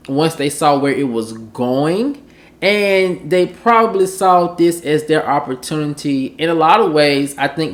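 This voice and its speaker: Conversational gossip host with mid-pitched voice. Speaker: gossip video host and commentator. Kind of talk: celebrity gossip commentary, part read, part off the cuff.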